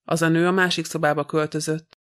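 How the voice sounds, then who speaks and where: A man voicing a polite, fussy elderly detective in a flat, even reading. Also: on the high side, close to an everyday voice. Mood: urgent.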